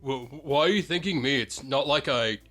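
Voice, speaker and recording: A man's voice: medium pitch, normal speed, fairly bright tone, faint music behind, close to an everyday voice. A man voicing a prickly teenage schoolgirl who talks in a huffy, defensive and dismissive way.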